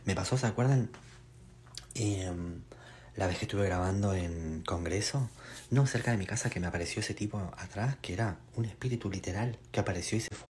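A young man with a Rioplatense accent, vlogging in a casual, theatrical way. He is nervous and shaken, and his voice jumps into high squeals and laughter. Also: fairly quick, darkish tone. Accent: Rioplatense Spanish. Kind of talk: casual chat to the camera.

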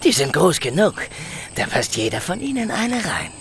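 Radio play delivery man, chatty and colloquial, lively intonation, slight noise behind. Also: high-pitched, moderate pace, full character voice. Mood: chatty, offhand. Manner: colloquial, rambling, offhand. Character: chatty, easygoing male delivery driver. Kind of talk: German audio drama acting.

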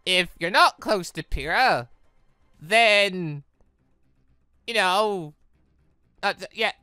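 A woman giving casual, rambling, animated commentary as a gaming channel host. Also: mid-range voice, very slow, smooth, no echo, studio quality, soft background music.

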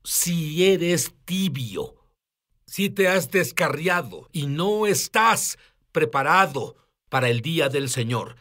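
A man's voice: on the high side, big pitch swings, takes it slowly, pushed and bright. A male host in a dubbed interview, speaking insistently and urging viewers to respond, recorded as a studio voice-over. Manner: insistent, exhorting. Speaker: show host.

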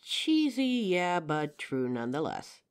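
Protective female bodyguard, played by a woman, flirtatious and caring. Deep register, animated intonation, audio drama intimacy. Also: a little slow, a little hiss or hum, exaggerated voice. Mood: playful, tender. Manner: gentle, teasing, reassuring.

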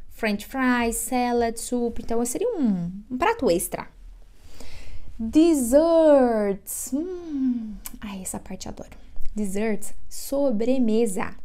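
A Brazilian woman with a Brazilian Portuguese accent teaching English vocabulary to Portuguese speakers, drilling words slowly for the viewer to repeat and adding chatty asides. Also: on the high side, darkish tone. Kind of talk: bilingual vocabulary lesson.

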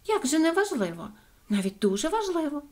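A woman voicing a clever, stubborn little female dog in a storybook reading, high and insistent. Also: sing-song, a little fast. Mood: indignant.

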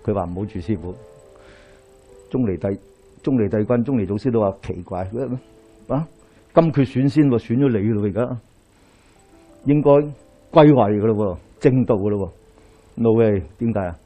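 A middle-aged man with a Hong Kong Cantonese accent, a Daoist priest giving a lecture to a live audience, telling stories with lively rhetorical questions as he moves about. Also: on the low side, normal speed, long pauses, faint music behind. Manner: animated storytelling with rhetorical questions, pacing while gesturing. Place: small lecture hall indoors, in front of a screen.

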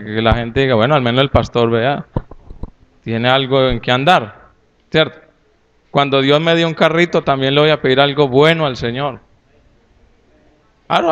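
Pastor colombiano de voz nítida y algo aguda. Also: male voice, fairly high pitch, smooth, highs cut off. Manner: folksy and humorous, with lively asides to the audience. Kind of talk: sermon to a congregation.

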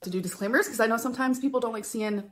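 A woman vlogging about her weigh-in and meals in an excitable, emotional way. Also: a little high, racing. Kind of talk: vlog chat.

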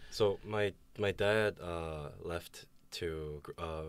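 Young man, very deep voice, frank, reflective, casual discussion. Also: slow pace, clear, resonant tone. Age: young adult. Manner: reflective, frank, self-deprecating humor. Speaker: university student.

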